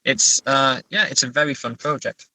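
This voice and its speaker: A man from England chatting casually as an interview guest, halting and self-correcting, with a wry way of telling stories. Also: mid-range voice, sharp tone, no room sound, rough recording. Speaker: horror novelist and therapist guest. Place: sitting in a parked car.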